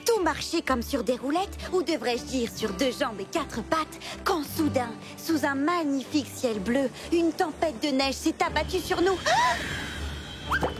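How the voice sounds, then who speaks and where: A woman's voice: high voice, very animated, unhurried, over music. A dramatic, boastful girl storyteller. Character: cheerful girl adventurer telling a tall tale. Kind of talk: cartoon dub narration.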